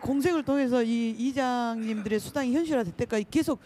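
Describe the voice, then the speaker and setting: A woman panelist on a TV discussion show, telling animated anecdotes and acting out village voices. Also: fairly high pitch, quick pace, music in the background.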